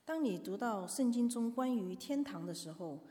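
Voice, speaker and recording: A woman's voice: on the high side, animated, normal speed, dark tone. A woman interpreting a sermon live in a church, hesitant, with fillers and self-corrections. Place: church hall. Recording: long hall reverb.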